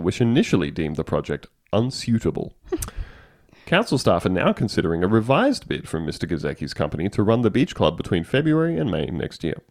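Low-voiced sarcastic man, lively delivery. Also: dry recording, studio quality. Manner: wry, sarcastic, reads quotes aloud with mock voices. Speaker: podcast co-host. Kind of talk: casual comedic chat reading a news article.

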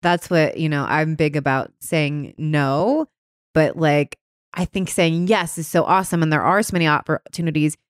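A woman hosting a podcast interview, talking in a chatty, animated way with many filler words. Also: deep voice, normal speed, no room sound, studio quality. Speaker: podcast host. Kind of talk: casual conversational interview.

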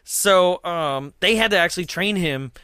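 A man's voice: high-pitched, a little slow, pushed and bright, clear, resonant tone, no room sound, clean studio sound. A young man chatting casually about a movie as a podcast co-host, rambling with many fillers and frequent laughs.

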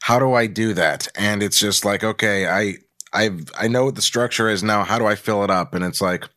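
A man's voice: on the low side, normal speed, pushed and bright, no room sound, studio quality. A man co-hosting a podcast in casual, rambling chat, swearing freely and poking fun at himself. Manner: rambling, profane, self-mocking. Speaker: podcast co-host.

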